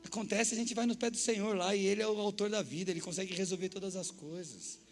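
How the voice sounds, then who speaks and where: High-voiced, animated Brazilian pastor. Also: male voice, fast. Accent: Brazilian Portuguese. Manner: animated, acts out dialogues with the congregation. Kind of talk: sermon. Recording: echoey church hall with faint music.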